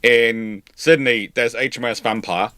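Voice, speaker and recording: A man's voice: medium pitch, steady tone, unhurried, sharp tone. A man with a Scottish accent hosting a live naval history Q&A, chatty and rambling, laughing at his own jokes. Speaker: naval history channel host. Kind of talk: casual live Q&A chat.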